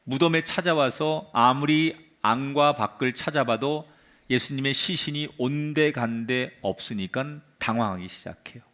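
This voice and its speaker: A man, a pastor, preaching a sermon and retelling a story with drama, his voice sinking to a hush at the end of phrases. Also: medium pitch, measured pace. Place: church sanctuary.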